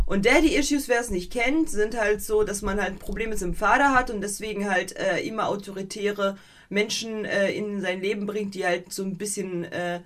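A woman co-hosting a podcast in casual chat, animated and rambling, with many fillers and a playfully mocking edge. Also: mid-range voice. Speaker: podcast co-host.

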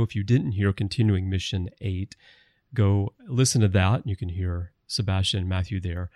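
A man's voice: fairly low pitch, darkish tone, no echo. A man hosting a podcast, wrapping up an interview in a friendly, upbeat way. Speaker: podcast host.

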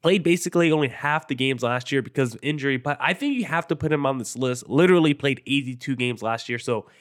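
A man's voice: medium pitch, fast talker. Congested young man hosting a podcast. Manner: casual, energetic, stat-heavy rundown. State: congested, nasal from allergies. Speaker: podcast host. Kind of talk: solo sports podcast commentary.

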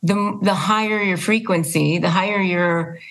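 A woman's voice: on the low side, steady tone, unhurried, fairly bright tone, rough recording. A woman hosting a casual conversational interview, speaking emphatically and repeating her points for stress. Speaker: podcast host and interviewer.

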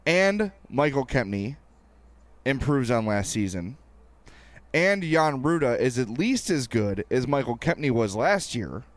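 A man's voice: medium pitch, very animated, unhurried, no echo. A man co-hosting a casual sports podcast, talking in a wry, joking manner. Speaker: podcast co-host.

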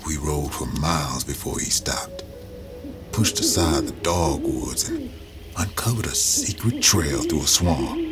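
A man with a very low voice narrates his own past in a reflective, drawling storytelling manner. His pitch still moves expressively, and music plays underneath. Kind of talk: scripted first-person narration.

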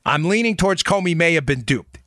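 A man's voice: fairly high pitch, expressive, fairly quick, fairly bright tone, no room sound, studio quality. A man hosting a political talk show in an emphatic, insistent monologue, firing rhetorical questions at his listeners.

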